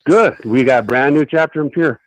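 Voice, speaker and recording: A man chatting as a guest before a radio show, relaxed and easygoing and quick to laugh. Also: on the high side, no room sound, rough recording. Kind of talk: casual chat.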